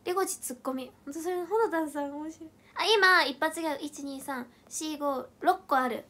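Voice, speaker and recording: High-voiced young woman chatting on a livestream. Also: fairly bright tone. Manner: chatty and playful, reacting to comments with quick questions; counts aloud and thanks viewers by name in long lists. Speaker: idol group member hosting a livestream. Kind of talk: casual livestream chat reading viewer comments.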